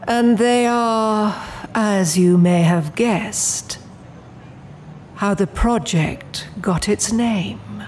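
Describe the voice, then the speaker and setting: A woman's voice: mid-range voice, drawn-out words, a little mellow, a little hiss or hum. A woman playing a poised, menacing immortal demon in an audio drama, speaking in a genteel, coolly imperious way. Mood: composed, reflective.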